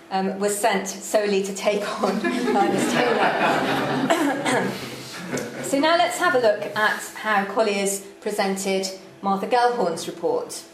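A woman's voice: medium pitch, steady tone. Woman lecturing in an echoey room. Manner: measured, frequent ums, dry wit. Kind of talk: academic lecture with slides. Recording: echoey room with faint background noise.

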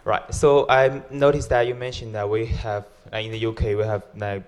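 A man from China asks a question from the floor into a roving handheld mic. His voice sits low. He is hesitant and fills his pauses often. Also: level tone. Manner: hesitant, many fillers. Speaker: audience member asking a question.

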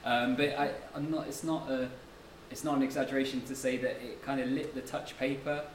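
A man's voice: medium pitch, level tone, fairly quick. A man giving a public lecture as a guest speaker, talking in a modest, conversational way in a lecture room. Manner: modest, slightly self-deprecating, conversational. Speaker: guest speaker, author and anthropologist. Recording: echoey room from far off, noisy.

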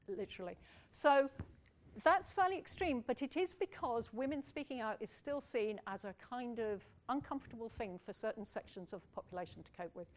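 An older woman giving a candid, earnest public lecture, speaking plainly with frequent asides. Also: on the high side. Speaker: university lecturer.

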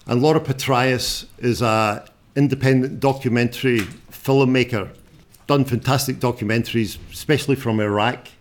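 Speaking without a script at a public talk, a Scottish journalist in his sixties uses a broad, strong accent and a middling pitch. He comes across as informal and plain-spoken, somewhat halting as he goes.

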